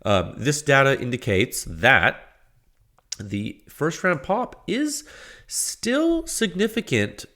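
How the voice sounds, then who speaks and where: A man hosting a technical podcast, congested from a cold, explaining measurements in a halting way with many restarts. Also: medium pitch, sing-song, sharp tone. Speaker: podcast host. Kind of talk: technical talk.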